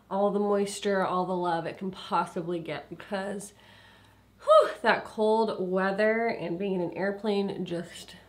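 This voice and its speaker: A young woman reviewing a foundation in a casual vlog, congested and a little nasal, chatty with lots of fillers. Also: mid-range voice. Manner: chatty, filler-heavy, trailing into quiet asides. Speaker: beauty vlogger. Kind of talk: casual product review and makeup demo.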